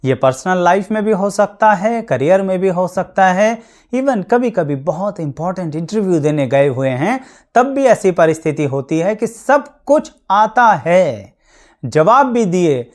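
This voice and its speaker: A man's voice: high voice, sing-song, measured pace. A man speaking as an astrologer, explaining things to his viewers in a plain, practical way with everyday examples and English words mixed in. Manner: mixes English words into Hindi.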